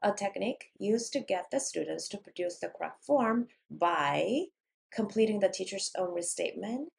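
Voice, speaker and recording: A Korean-speaking woman giving a lecture on language teaching. She has a mid-pitched, gravelly voice. She reads English definitions slowly and acts out the teacher and the student. Faint noise hums under the recording. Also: expressive, a little mellow.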